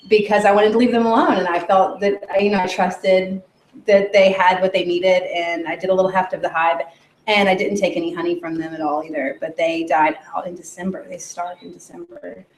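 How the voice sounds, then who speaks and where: A woman's voice: lowish voice, distant mic, a little hiss or hum. A woman beekeeper on a panel, reflecting on her own hives. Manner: reflective, recounting in a personal way. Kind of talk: casual panel discussion. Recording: roomy echo from off-mic with faint ambience.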